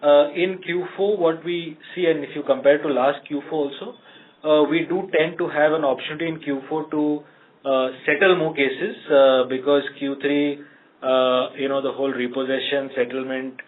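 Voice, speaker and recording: A man with an Indian accent answering questions as a company executive on an earnings call, measured and explanatory, pausing often mid-phrase. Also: on the high side, steady tone. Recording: muffled band-limited conference call line.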